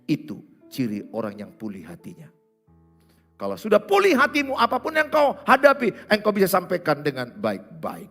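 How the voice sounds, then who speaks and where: A male pastor, preaching a sermon in an animated, teasing way and acting out little scenes. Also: high-pitched, moderate pace, soft background music. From Indonesia. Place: church service.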